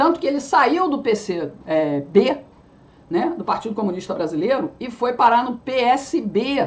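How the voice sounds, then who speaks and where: Fairly slow in pace, the speech has an animated tone. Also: woman. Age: 60s. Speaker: political commentator. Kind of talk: opinion monologue.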